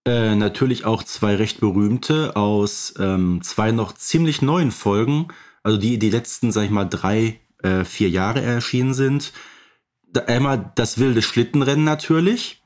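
A man's voice: fairly low pitch, a little slow, darkish tone. A man co-hosting a podcast, talking casually and conversationally as a fan. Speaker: podcast co-host.

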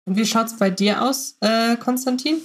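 A woman's voice: a little high, normal speed. A woman hosting a podcast, asking questions in a casual, chatty style. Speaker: podcast host. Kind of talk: casual chat.

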